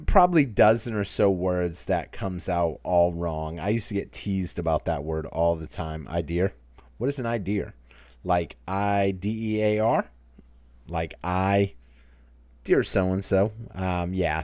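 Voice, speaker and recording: A man's voice: deep voice, darkish tone, no echo. A man with a Maine accent hosts a casual Q&A chat, rambling as he reads viewer comments aloud. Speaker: channel host.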